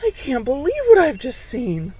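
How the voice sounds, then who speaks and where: A woman playing an excitable young daughter in a radio drama, exclaiming dramatically. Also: high-pitched, normal speed, slightly rough, heavily acted. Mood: amazed. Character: excitable young daughter, frightened and awed in the woods.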